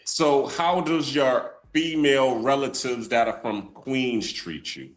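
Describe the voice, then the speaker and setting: A man's voice: medium pitch, slow. A man asking another panelist probing personal questions on a livestream. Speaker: panel interviewer.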